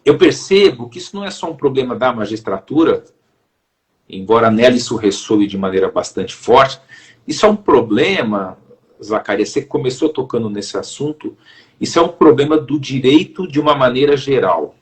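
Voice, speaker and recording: Middle-aged Brazilian man, a judge as interview guest; mid-pitched, deliberate and formal. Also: animated. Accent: Brazilian Portuguese. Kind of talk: reflective interview talk.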